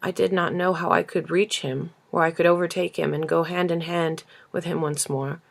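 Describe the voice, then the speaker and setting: Woman narrating a storybook, gentle and measured. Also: lowish voice, steady tone, gravelly. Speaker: audiobook reader. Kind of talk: scripted literary storybook narration.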